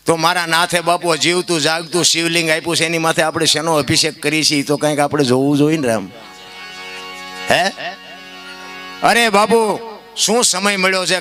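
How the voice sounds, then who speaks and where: Male folk preacher, high bright voice, fervent storytelling, soft music underneath. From Gujarat, India. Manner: preachy, storytelling, rising to loud impassioned peaks. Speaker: dayro storyteller. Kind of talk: folk dayro sermon.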